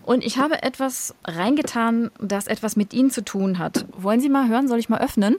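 A woman hosting a radio interview, asking her guest questions in a clear, friendly way. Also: fairly high pitch, brisk, a little mellow, slight background noise. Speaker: radio host.

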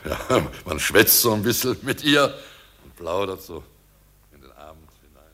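An actor playing an ingratiating gentleman from the country in a German radio drama, husky, effusively polite and haltingly chatty. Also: lowish voice, very animated, heavily acted. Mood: chatty, wistful.

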